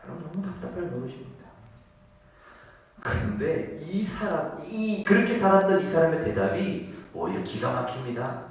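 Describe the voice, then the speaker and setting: A man preaching a Sunday sermon, telling the story vividly and acting out the voices, rising loud and dropping soft. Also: fairly high pitch, sing-song, moderate pace, crowd noise. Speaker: pastor. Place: church sanctuary. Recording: echoey church from a distance.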